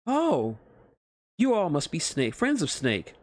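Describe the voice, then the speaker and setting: A man's voice: on the high side, wildly swooping pitch, slow pace, dry recording, clean studio sound, pitched above the performer's own voice, exaggerated voice. A man voicing a polite, nerdy and eager male scientist in a fan fiction reading.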